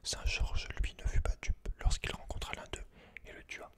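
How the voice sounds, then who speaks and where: A man hosting ASMR in a breathy, unvoiced whisper, intimate and informal as he speaks directly to the listener. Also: normal speed. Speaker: ASMR video host. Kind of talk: whispered ASMR, reading a book aloud with casual asides.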